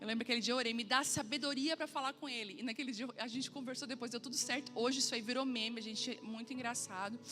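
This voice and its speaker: A woman pastor preaching a sermon, telling a funny personal story and acting out the dialogue with lively humor. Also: a little high, fast, few pauses.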